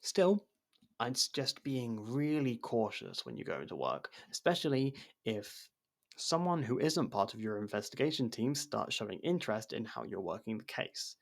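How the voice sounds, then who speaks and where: In an intimate ASMR audio drama, a man plays an abrasive but protective murderer who has become an investigation partner. He speaks in a halting, guarded way with a medium-pitched, sing-song voice, sounding cautioning and earnest.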